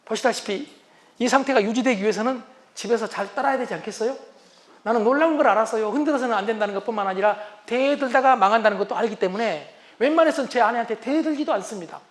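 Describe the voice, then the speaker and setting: Casual: guy lecturer with a really high voice, funny talk, keeps acting out husbands and wives. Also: fast. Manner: animated, acts out spouses' lines. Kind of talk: humorous lecture.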